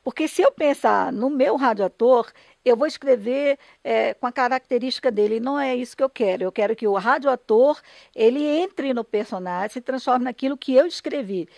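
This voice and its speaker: Older Brazilian woman, interview guest. Gravelly fry in the voice, dry close sound, emphatic but conversational delivery. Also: on the high side, normal speed, darkish tone, no room sound. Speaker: radio drama writer and director, interview guest. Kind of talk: conversational interview, explaining her work.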